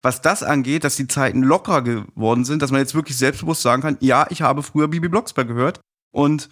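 A man's voice: medium pitch, fast, fairly bright tone. Nostalgic man in casual podcast talk. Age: adult. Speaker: podcast guest.

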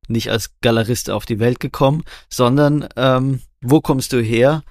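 A man co-hosting a podcast, asking questions in a playful, teasing way with quick asides. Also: medium pitch, a little mellow, dry recording, studio quality. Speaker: podcast co-host. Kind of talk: casual podcast interview.

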